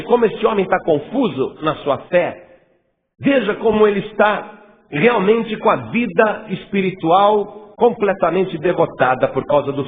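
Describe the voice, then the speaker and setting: Brazilian pastor guy preaching hard, kinda high voice, tinny phone-ish sound with a long echo. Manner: emphatic preaching, swinging between loud and hushed. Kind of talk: sermon. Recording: phone-like sound with long reverb and faint noise.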